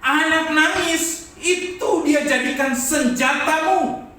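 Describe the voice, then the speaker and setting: High-voiced preacher, booming echoey hall. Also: male voice, slow pace, sharp tone. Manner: preaching with call-and-response amens. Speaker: pastor. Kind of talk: sermon. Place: church hall. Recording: echoey church hall from far off.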